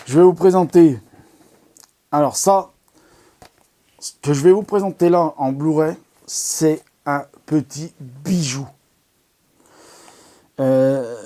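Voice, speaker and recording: A man's voice: on the high side, darkish tone. A man hosting an amateur astronomy video, recommending documentaries in a casual, enthusiastic and rambling way, full of fillers and restarts. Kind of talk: casual product recommendation talk.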